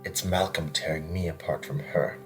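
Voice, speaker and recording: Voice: rumbling low, steady tone, moderate pace, over music. An actor in an audio drama playing a loyal, stubborn royal subject with a firm, earnest delivery. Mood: earnest, resolute.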